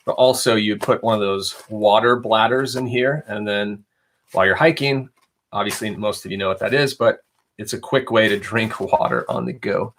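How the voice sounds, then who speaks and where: A man with a fairly low voice, talking casually to his live stream viewers. He rambles easily from topic to topic and reads out their questions as he goes. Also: fairly even intonation, moderate pace, fairly bright tone, slight background noise. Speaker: reseller livestream host.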